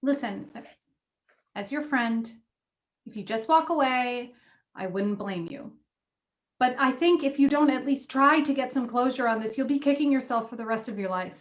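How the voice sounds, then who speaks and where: A woman's voice: fairly high pitch, moderate pace, lightly acted. A woman playing a supportive magazine editor and friend in a staged play reading, natural, encouraging and direct.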